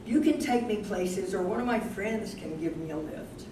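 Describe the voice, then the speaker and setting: Woman doing older wife losing her memory, slow talker, stage reading, far from mic, super echoey. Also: medium pitch, animated, close to an everyday voice. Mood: resigned, plain. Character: Jeannie, aging wife losing her memory, frustrated, wistful. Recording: roomy, distant stage recording with noise.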